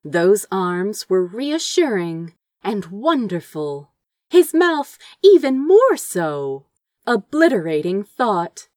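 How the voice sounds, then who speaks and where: A woman narrates a story in a high voice with hugely animated intonation. She takes an unhurried pace and reads with theatrical expression. The sound is dry and close. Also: no room sound. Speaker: audiobook reader of fan fiction. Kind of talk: dramatic scripted narration, fiction read aloud.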